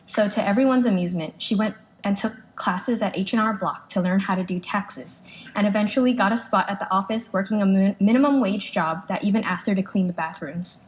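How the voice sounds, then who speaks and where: Speaking a little fast in a mid-range voice, a woman reads a prepared eulogy aloud as a daughter at a memorial. The recording is low-quality, capturing live speech with clear background noise.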